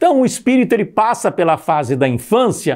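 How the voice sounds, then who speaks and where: The voice belongs to a man and sits high in pitch. It moves through very wide pitch swings. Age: 60s. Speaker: spiritist lecturer. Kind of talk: lecture. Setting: online talk. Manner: conversational, with frequent fillers.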